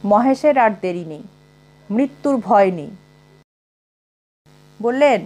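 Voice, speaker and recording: A woman narrating a humorous short story in an expressive, dramatic audiobook style. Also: fairly high pitch, takes it slowly. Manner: expressive, with wide rises and falls.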